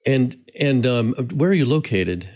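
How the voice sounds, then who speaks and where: An older man hosting a podcast interview, talking in a halting way with repeated words, into a studio mic in a home office. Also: mid-range voice, expressive, a little mellow. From New Jersey. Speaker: podcast host. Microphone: studio mic on arm, earbuds.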